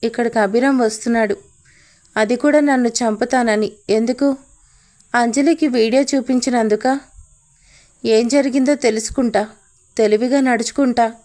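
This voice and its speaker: A man's voice: very high voice, fairly even intonation, normal speed, long pauses, a little mellow. A woman voicing a scheming male villain who taunts and sneers in an audio story. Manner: sly, taunting.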